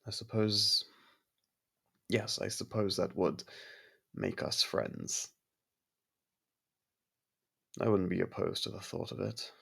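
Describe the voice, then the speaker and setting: Man acting as a vampire manor lord, heavily creaky low voice, slow, formal, possessive, softly commanding, ASMR roleplay. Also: full character voice. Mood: hesitant, warming. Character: courteous, possessive vampire manor lord softening toward a human.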